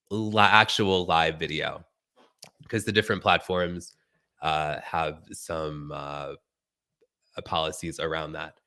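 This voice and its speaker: A man hosting a casual live stream tutorial, sounding hoarse from a cold and chatting directly to his viewers. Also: sits low, sharp tone.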